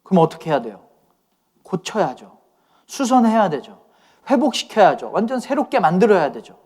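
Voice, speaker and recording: A man's voice: sits high, sing-song, moderate pace, a little mellow. A man pastor giving a conversational youth sermon, often asking his listeners questions.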